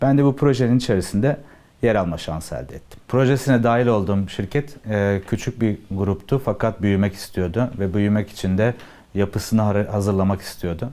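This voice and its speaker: A man speaks with a dark, mellow tone at a fairly low pitch. His pace is moderate, with ordinary pitch variation. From Turkey, rural village then small town. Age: 50s. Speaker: leadership trainer, former corporate manager. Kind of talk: online course lecture. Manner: hesitant fillers.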